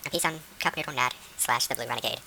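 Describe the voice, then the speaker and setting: A woman reading a written document aloud in a rapid, flat read-through without pauses. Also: extremely low pitch, gravelly, a little hiss or hum.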